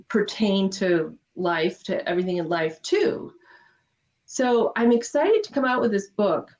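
A woman's voice: medium pitch, darkish tone. A middle-aged woman talks over a video call from her home office, upbeat and earnest as she tells her story. The audio is dull and muffled, with the lo-fi sound of a video call. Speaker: guest, former ski racer. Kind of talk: interview conversation.

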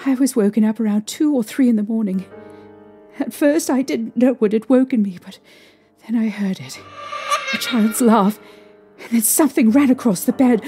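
A young woman playing a distraught, haunted mother recounting her ordeal emotionally and haltingly in an audio drama. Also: a little high, lightly acted. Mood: uneasy, shaken.

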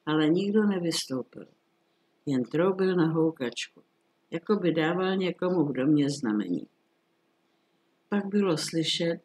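A man reading a classic short story aloud in a measured, expressive way. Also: on the high side, breathy edge, low-quality recording. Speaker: audiobook reader. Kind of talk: literary storytelling.

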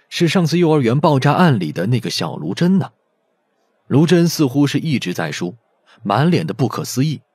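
A man's voice: medium pitch, darkish tone, breathy edge, no room sound. A man narrating a scripted detective story as an audiobook narrator.

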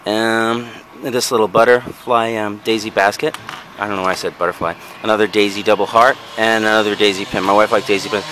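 A lower-pitched man talks briskly through his resale finds on a backyard patio, his voice bright and forceful with fairly even intonation. His casual show-and-tell rambles with frequent ums, hedging, and self-corrections. The handheld camera mic picks up faint outdoor noise and passing vehicles.

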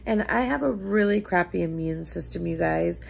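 A woman's voice: on the low side, normal speed, creaky, husky. A young woman beauty vlogger chatting casually to camera from her couch, her voice scratchy as she is losing it, talking in a rambling, emphatic way. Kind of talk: casual makeup chat to camera. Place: living room couch indoors.

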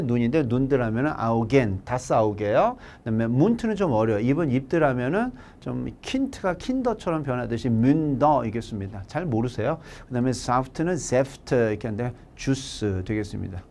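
Man, middle-aged, German teacher, exam walkthrough lecture, animated pitch, playful and casual. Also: vocal fry. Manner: lively, jokey, drops into casual speech.

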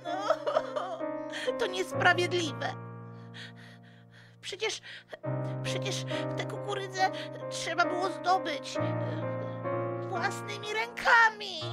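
A woman plays a timid young boy in a children's radio play. The voice is very high and extremely slow, plaintive and tearful, with music playing prominently behind it. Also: full character voice. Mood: tearful protest. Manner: plaintive, drawn-out, tearful delivery. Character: timid, sorrowful young Eskimo boy afraid of cold.

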